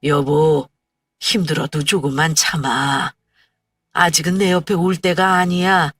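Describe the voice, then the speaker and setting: A woman voicing a gruff older husband who appears in a dream, brusque and bossy in how he talks, recorded dry and a little distant. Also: low voice, fairly even intonation, measured pace, fairly bright tone, no echo, heavily acted. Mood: gentle reassuring. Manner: brusque, barking commands.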